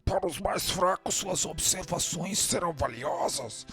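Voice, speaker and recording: A man's voice: sits high, unhurried, vocal fry. A man playing the embittered, vengeful spirit of a former slave in a radio drama, declaiming accusations defiantly. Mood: scornful, defiant. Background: music.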